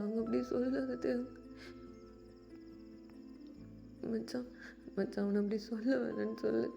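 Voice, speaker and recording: Tearful, stammering lovesick young man, played by a woman narrator, slow and pleading. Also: sits high, vocal fry, mellow, highs cut off, full character voice. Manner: pleading, stammering, repeating himself. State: crying.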